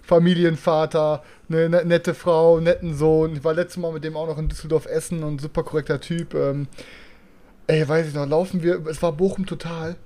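Begeisterter Mann, salopper Umgangston. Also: male voice, a little high, flat delivery, moderate pace, dark tone. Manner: slangy, enthusiastic, many fillers. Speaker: podcast co-host. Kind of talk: casual chat.

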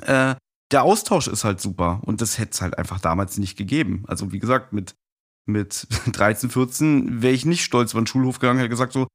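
A man with an average-pitched voice speaks in a casual, conversational podcast style. He sounds reflective and a little nostalgic, like a guest sharing his thoughts. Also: a little fast. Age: adult.

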